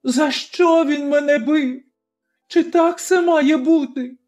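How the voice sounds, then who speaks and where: A narrator voicing a young village woman who shouts in anger and sobs through her words, in an audiobook. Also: extremely slow, faint music behind, full character voice. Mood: sobbing. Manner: shrill, shouting and crying. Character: young village woman, wronged, furious and sobbing. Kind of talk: audiobook character voice.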